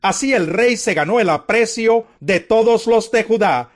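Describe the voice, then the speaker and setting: High-voiced man reading scripture. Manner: measured, even storytelling delivery. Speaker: Bible audio reader. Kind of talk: scripted Bible narration.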